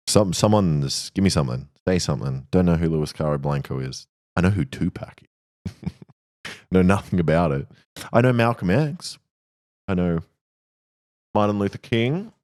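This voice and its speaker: Really deep-voiced guy on a stream, mumbly, dry jokes, dead dry sound. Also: animated, normal speed, long pauses, a little mellow, dry recording. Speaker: streamer co-host. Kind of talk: casual livestream chat.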